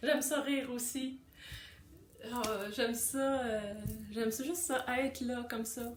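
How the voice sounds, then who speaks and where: The speech comes at a fairly slow pace in an Abitibi Quebec accent, with fairly even intonation. Long, frequent pauses are heard amid audible room echo. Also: woman, high pitch for a woman. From Quebec, Abitibi. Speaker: voice and sound healing guide. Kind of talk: spiritual workshop introduction. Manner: hesitant, stumbling.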